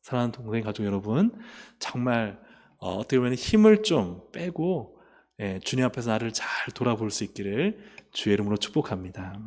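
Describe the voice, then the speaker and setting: A man preaching a sermon as pastor. He asks the congregation questions and answers them himself, and he moves between emphatic rises and quiet, low endings. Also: sing-song, fairly quick. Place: church sanctuary. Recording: long hall reverb.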